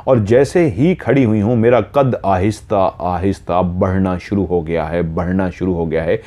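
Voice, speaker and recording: A man's voice: low-pitched, a little slow, dark tone. A man telling a horror story, earnestly retelling a listener's dream in first person and drawing out repeated phrases.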